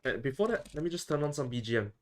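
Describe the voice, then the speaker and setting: A man's voice: medium pitch, sing-song, very fast. A young man from Singapore with a Singaporean English accent, chatting casually and self-mockingly on a livestream. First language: Chinese. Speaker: VTuber streamer.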